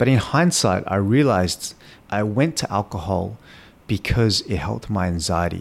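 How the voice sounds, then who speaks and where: The speech has lively intonation in an Australian accent. The recording is very clean, with a silent background. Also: man. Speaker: breathwork instructor. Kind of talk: interview.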